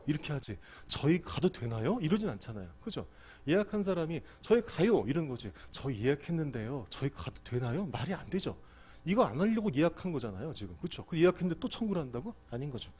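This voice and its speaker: Lively man lecturing on law. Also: on the high side. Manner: lively, asks and answers own questions. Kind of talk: exam prep lecture.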